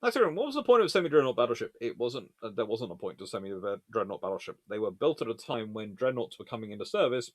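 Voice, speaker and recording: A man's voice: medium pitch, dry recording. A man hosting a naval history show, reading aloud from books and chatting informally as he reviews them and answers questions.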